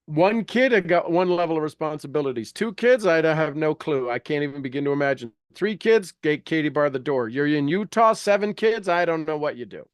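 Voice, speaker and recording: Guy coach, kinda high voice, folksy and pushy, close dry sound. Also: animated, a little fast, hardly any pauses, smooth, no echo. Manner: blunt, prodding, folksy. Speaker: coach leading a class. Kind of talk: informal coaching talk mixed with reading aloud from a book.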